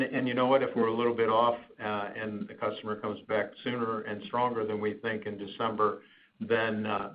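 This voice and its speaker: A man speaking as a finance executive on an earnings call, setting out business expectations in careful, halting phrases. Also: fairly low pitch. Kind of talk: business outlook commentary, partly prepared. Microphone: conference call line. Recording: noisy, muffled conference call.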